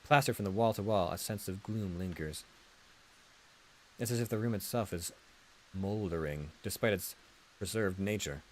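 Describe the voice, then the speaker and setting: A man reading a visual novel aloud as an expressive narrator. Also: low voice, moderate pace, long pauses, slight background noise, rough recording. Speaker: host of a read-aloud channel. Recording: music behind the voice.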